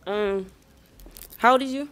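A woman's voice: fairly high pitch, a little slow, fairly bright tone. A nineteen-year-old woman contestant on a dating show, blunt and casual, talking on a handheld mic in a white studio. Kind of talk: casual chat.

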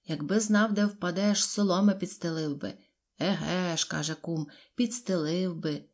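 A man's voice: sits high, fairly even intonation, moderate pace. A woman voicing a chatty male villager who rambles in folksy sayings in an audiobook. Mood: rambling.

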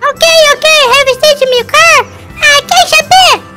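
A man voicing a cheeky runaway baby Hulk boy with a squeaky childish voice, mixing broken English into his lines. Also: a little slow, loud music behind the voice. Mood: confused. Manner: mixes broken English with Portuguese.

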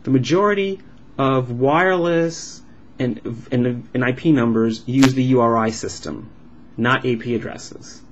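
Male interpreter voicing a vlog, mid-pitched, halting phrase-by-phrase delivery, muffled lo-fi audio. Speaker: sign language interpreter voicing a signed vlog. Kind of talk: live interpretation of an explanatory vlog. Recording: dull lo-fi sound with clear background noise.

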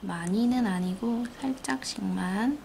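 Creaky-voiced woman with Gyeongsang accent. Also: mid-range voice, a little slow. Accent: Gyeongsang Korean. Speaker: nail art instructor. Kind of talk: casual hands-on tutorial chat. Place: indoor nail art studio. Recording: noisy room, steady background noise.

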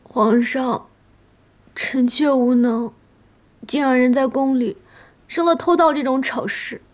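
High-pitched, imperious noble consort. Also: female voice, fairly even intonation, slow pace, dry recording. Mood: plaintive, deferential. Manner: commanding, cutting. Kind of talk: Chinese period palace drama acting. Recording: loud music behind the voice.

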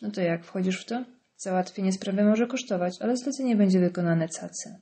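A woman's voice: mid-range voice, a little fast, mellow, lightly acted. Woman reading as crude taunting male inmate Krzywy. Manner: vulgar, taunting.

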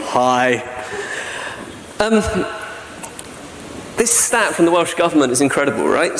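A man's voice: a little high, creaky. A man in his forties from South-East England, giving a conference talk in a chatty, self-deprecating way, often tagging on "right?". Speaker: conference speaker. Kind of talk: presentation talk. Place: large dark hall on a stage with projection screen. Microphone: stand mic at lectern. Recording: reverberant hall, faint noise.

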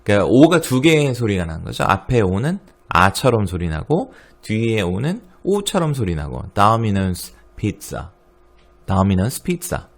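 A man who speaks Korean natively, teaching English pronunciation of brand names, repeating each word slowly and then explaining it. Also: fairly low pitch, very animated, gravelly. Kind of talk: lively pronunciation lesson.

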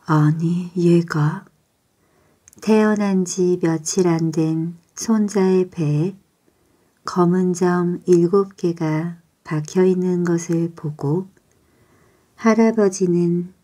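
A woman narrating bedtime stories in a calm, soothing, measured way. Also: on the low side. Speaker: storyteller.

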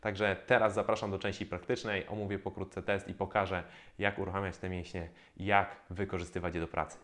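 A man in his thirties, a fitness trainer, calmly explaining core exercises with frequent hesitation fillers, recorded on a lapel mic in a bare indoor studio. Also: sits low, fairly quick. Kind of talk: instructional exercise video.

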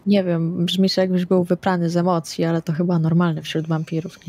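A woman's voice: on the low side, level tone, moderate pace, a little mellow, no echo. A woman playing a blunt, chatty female vampire in an improvised tabletop roleplay. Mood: teasing.

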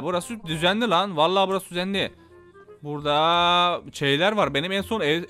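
A gameplay YouTuber with a Turkish accent and a high voice chats with his viewers in an excitable, casual way, swearing playfully as he plays.

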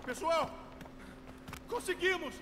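High-pitched excitable space adventurer. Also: male voice, slow pace, a little hiss or hum, heavily acted. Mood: urgent. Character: excitable young space-adventurer leader, earnest and roguish. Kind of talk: video game voice acting. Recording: game sound with loud vehicle ambience.

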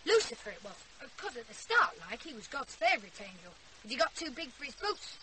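A woman's voice: sits high, big pitch swings, fairly quick. An actress playing a rebellious, outspoken fifteen-year-old country girl with a defiant, impetuous manner in a radio drama. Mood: eager, chatty. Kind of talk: naturalistic radio drama acting. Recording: radio drama with faint background noise.

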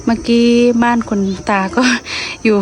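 A woman hosting a vlog, chatting to viewers as she climbs to the top of a hilltop pagoda outdoors. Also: moderate pace. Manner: chatty, addresses viewers, exclaims at the view. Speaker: vlog host. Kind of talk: walking tour narration.

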